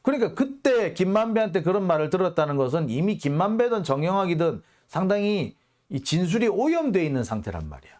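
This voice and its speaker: Guy doing fired-up court news commentary, voice sits a bit high, swings up and down a lot, keeps asking rhetorical questions. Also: a little fast. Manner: animated, rhetorical questions, indignant. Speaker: journalist and channel host.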